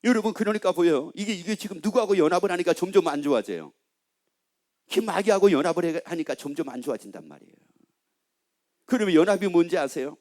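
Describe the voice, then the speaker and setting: A man's voice: sits high, expressive, fast talker, darkish tone. A male pastor preaching a sermon in a church, emphatic and constantly asking the congregation questions.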